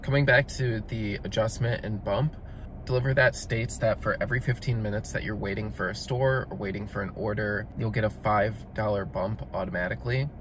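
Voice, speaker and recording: A man's voice: on the low side, fairly even intonation, fairly quick, noisy background. A man narrating a voice-over review of a delivery gig, explaining things step by step in a matter-of-fact way. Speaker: delivery driver vlogger.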